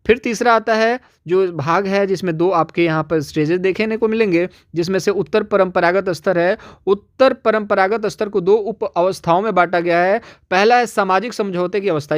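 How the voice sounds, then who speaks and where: A man with a high-pitched voice teaches an exam-prep lesson at a moderate pace, hardly pausing. In this explanatory lecture he goes step by step, addresses viewers directly, and repeats and rephrases his points.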